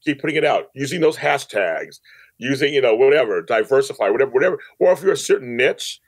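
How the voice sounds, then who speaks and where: Really animated guy being interviewed, voice jumps all over, repeats stuff for emphasis. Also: mid-range voice, quick pace. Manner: animated, emphatic, repeats phrases, acts out quotes. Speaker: podcast guest, audio drama producer and director. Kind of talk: casual interview chat.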